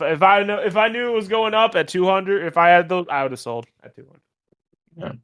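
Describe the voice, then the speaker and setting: Speaking at a fairly quick pace, a man uses a high pitch and lively intonation. His loudness swings widely. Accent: Upper Midwest. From northern US Midwest. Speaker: fantasy football podcast co-host. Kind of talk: casual chat.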